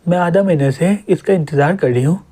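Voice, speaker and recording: A man's voice: fairly high pitch, a little fast, warm tone, lightly acted. A man voicing a bossy, blunt young policewoman in a manga recap, with a demanding manner.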